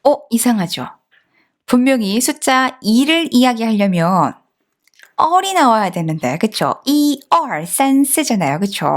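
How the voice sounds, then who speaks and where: A woman with a slightly high voice gives a patient online language lesson. She explains step by step and keeps asking the listener questions. She drawls the example words out slowly. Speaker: Chinese teacher.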